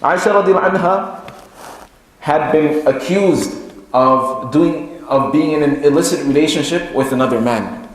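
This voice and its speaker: A man preaches to a Muslim congregation in a slightly high voice, heard through heavy echo and long reverb. He teaches step by step, repeating key phrases and posing rhetorical questions. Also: a little slow, a little hiss or hum. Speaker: Muslim preacher giving a community lesson. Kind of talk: sermon, lecture to a congregation. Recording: very echoey hall with long reverb.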